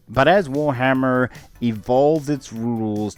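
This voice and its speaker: With music in the background, a man of medium pitch speaks at a fairly slow pace with ordinary pitch variation. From Australia. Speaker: VTuber / content creator. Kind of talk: casual explainer video narration.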